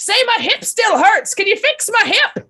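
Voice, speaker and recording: A woman puts on a character voice at an extremely high pitch, talking at a moderate pace with very even loudness. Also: ordinary pitch variation. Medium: actual play. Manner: cranky, indignant.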